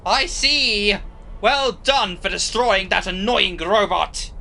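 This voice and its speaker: A ruthless usurper general in an audio play, acted by a man, aggressive and scheming. The voice is very sharp and high, with a gravelly creak in it. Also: slow pace, full character voice. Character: ruthless, hot-headed usurper general clinging to power.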